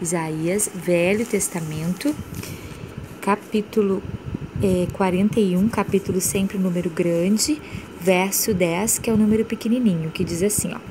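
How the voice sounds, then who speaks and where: A woman talks at a fairly slow pace with ordinary pitch variation. Noticeable background noise can be heard. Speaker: homemaker vlogger. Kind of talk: devotional vlog talk. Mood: warm, calm, devotional. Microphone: phone near.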